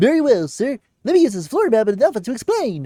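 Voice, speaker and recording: A man's put-on character voice at an extremely high pitch with very wide pitch swings and a very fast pace, in a dry, close sound with no echo. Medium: game stream. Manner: deferential, ends sentences with sir.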